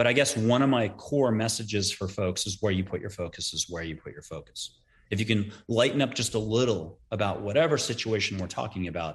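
The voice is somewhat breathy with ordinary pitch variation, set against a quiet background. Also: man. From US East Coast. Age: 50s. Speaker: author and spiritual intuitive. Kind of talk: interview.

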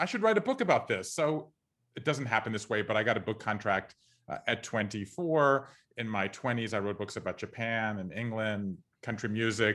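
A man speaks with an American accent at a moderate pace, his pitch medium with ordinary variation. His tone is bright and sharp against a quiet background. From US South, Savannah, Georgia. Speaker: author and speaker. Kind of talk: interview. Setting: remote call.

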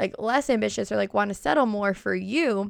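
An American accent comes through on a very clean recording with a silent background. The sound is dry and close, with no echo. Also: woman. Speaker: podcast host, former college athlete. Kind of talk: casual solo podcast talk.

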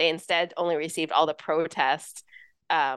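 This is an ordinary speaking voice: a woman with an American accent talking at a moderate pace in a fairly low pitch. The sound is dry and close with no echo, over a quiet background. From Southern California, Los Angeles area. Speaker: English professor and author. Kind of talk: interview about her book. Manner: many filler words (um, uh).

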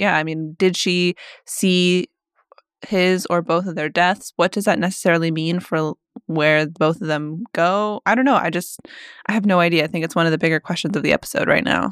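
Against a silent background in a very clean recording, a woman with an ordinary speaking voice talks fairly quickly at a fairly low pitch with ordinary pitch variation. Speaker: podcast host. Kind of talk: casual chat.

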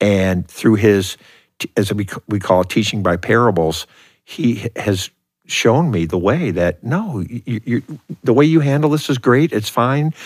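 A normal speaking voice from a man, medium pitch, ordinary pitch variation, moderate pace, and a very clean recording with a silent background. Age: 60s. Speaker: printing businessman. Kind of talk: casual chat.

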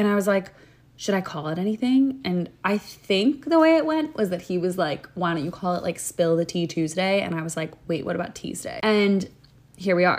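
The speaker has an animated tone and lively intonation. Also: woman, medium pitch for a woman. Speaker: podcast host. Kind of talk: casual monologue. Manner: fast, rambling.

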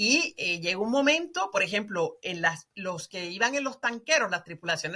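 This woman's medium-pitched voice has a bright, sharp tone and very wide pitch swings. She speaks at a moderate pace. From Puerto Rico, Isabela. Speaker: historian and author. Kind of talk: interview.

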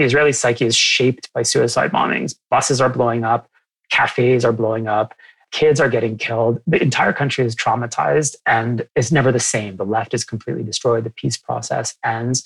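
In a plain, everyday voice, a man talks at a fairly quick pace and medium pitch with fairly even intonation and a dry, close sound with no echo. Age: 40s. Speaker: journalist. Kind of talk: interview.

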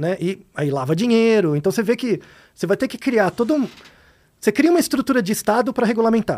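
A man's high voice races along at a very fast pace, its pitch swinging very widely. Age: 40s. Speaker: psychologist and researcher. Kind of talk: casual interview chat. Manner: halting, many repetitions and fillers.

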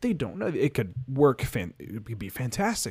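In a very clean recording with a silent background, a man with a fairly high pitch speaks somewhat breathily, his pitch swinging very widely. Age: 20s. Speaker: podcast host. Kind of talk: casual chat. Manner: halting, many fillers.

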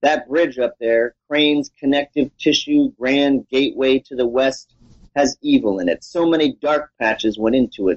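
A man with an unremarkable speaking voice talks at a moderate pace, with hardly any pauses. His pitch is fairly high, with ordinary variation. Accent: American. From US Midwest, Cleveland, Ohio. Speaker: poet and English professor. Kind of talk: interview; poetry reading.

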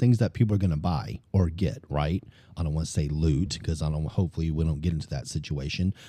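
A dark, mellow, somewhat breathy voice races at a very fast pace with hardly any pauses, recorded dry and close with no echo against a silent, very clean background. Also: man. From Louisiana (Cajun). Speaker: podcast host. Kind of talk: casual chat. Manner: animated.

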